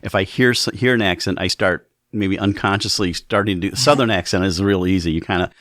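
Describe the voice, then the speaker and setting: A man with a very low voice asks his guest easygoing, rambling questions as a radio co-host. The sound is dry and close. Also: a little fast, fairly bright tone, dry recording. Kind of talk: relaxed interview chat.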